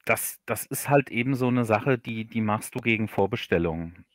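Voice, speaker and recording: A man with a fairly deep voice answers questions in a casual livestream interview. He speaks haltingly, often repeating a word before finishing the phrase. The sound is dry, with very little room in it. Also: fairly bright tone, no echo. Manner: halting, repeats words while searching for phrasing. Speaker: guest, audio drama author.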